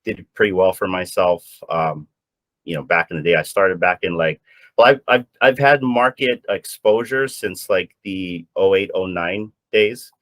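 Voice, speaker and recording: A man from Hawaii with a lowish voice talks through his story in casual chat. He sounds nervous, repeats words and rambles. The sound is dry and close. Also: a little slow, fairly bright tone, dry recording. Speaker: guest panelist.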